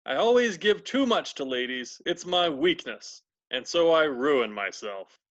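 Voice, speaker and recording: A man's voice: fairly high pitch, expressive, measured pace, a bit bright, muffled recording. A man playing a shrewd, grasping old rag-and-bone dealer in an amateur dramatised reading. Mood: haggling, gruff. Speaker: library staff reader in a play.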